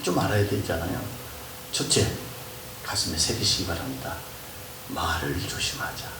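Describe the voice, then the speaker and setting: A middle-aged male pastor preaching a sermon, swinging between loud exhortation and soft hushed asides and acting out family voices. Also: low voice, sing-song, normal speed. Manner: acts out scolding and kind family voices. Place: church hall. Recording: roomy, distant mic with background noise.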